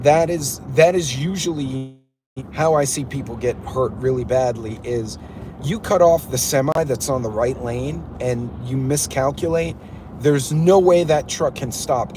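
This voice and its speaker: A man's voice: medium pitch, background noise. A man hosting a live driving vlog from his pickup truck, giving blunt, ranting road-safety advice to his chat viewers. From West Texas. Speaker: prepper channel host.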